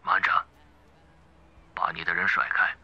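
A man's voice: low-pitched, monotone, a little slow, gravelly, bright, forceful tone, dull audio, pitched below the performer's own voice, exaggerated voice. A man voicing a cold, suspicious crime boss in an audiobook, curt, commanding and menacing. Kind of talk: audiobook character acting.

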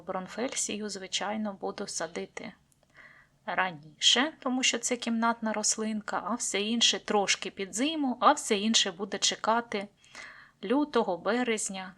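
A woman talking casually as she unboxes seed packets, fond of diminutives, often dropping to a soft whisper. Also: medium pitch. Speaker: gardening vlogger.

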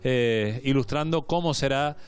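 A man's voice: mid-range voice, unhurried, smooth. A young man hosting an entertainment quiz, chatty and playful, repeating phrases for emphasis into a handheld microphone. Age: young adult. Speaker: TV show host. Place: large TV studio set with seated audience.

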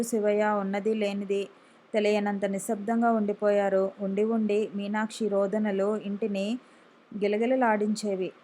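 A woman's voice: mid-range voice, darkish tone. A woman narrating a story aloud as an audiobook reader, voicing the characters' pleas along the way. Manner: voices characters' emotional pleas within narration.

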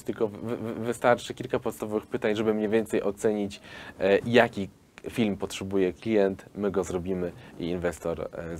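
A man in his thirties with a fairly low voice lays out his company's plans in a seated studio interview. He talks at length, explaining steadily but filling gaps with ums and restarts. A faint hiss sits under the recording. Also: darkish tone. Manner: explanatory, hesitant with frequent fillers. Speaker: film studio founder pitching investors. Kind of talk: business interview. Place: film studio hall.

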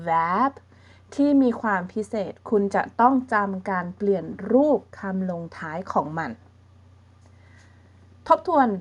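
A woman with a Thai accent teaching a German grammar lesson online, repeating words slowly and checking in with her students. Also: medium pitch. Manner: drills words by repeating them, checks in with "remember?".

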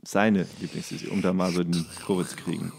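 A man's voice: low-pitched, flat delivery, fairly quick, creaky, darkish tone, slight background noise. A man co-hosting a podcast, telling rambling, jokey anecdotes in casual banter. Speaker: podcast co-host.

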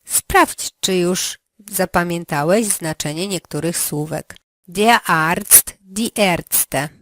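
A woman running a language lesson, giving slow, carefully articulated prompts for the learner to answer. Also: lowish voice, fairly bright tone, no room sound. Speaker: language teacher.

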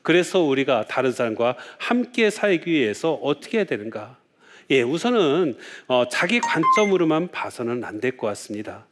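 A man's voice: mid-range voice, sing-song, moderate pace, fairly bright tone, a little hiss or hum. A man, a Catholic priest, giving a lecture, telling stories and asking rhetorical questions with frequent "yes" fillers.

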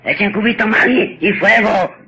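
A man's voice: sits high, moderate pace, lightly acted. A man doing a bossy tribal chief. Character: cannibal tribal chief giving orders. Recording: noisy old radio recording.

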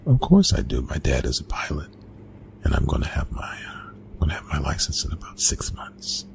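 A man playing a gruff, reluctant young college bully in an ASMR roleplay, talking in a hushed, halting, casual way. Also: rumbling low, wildly swooping pitch, heavily acted. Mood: grudging, hesitant. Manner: hushed, halting, casual, often breathy whispering. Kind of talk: ASMR roleplay, intimate one-sided dialogue.

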